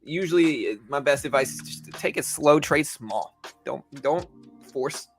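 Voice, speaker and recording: A man's voice: on the high side, expressive, measured pace, faint music behind. A man hosting a livestream, chatting casually and informally, speaking directly to his viewers. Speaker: livestream host.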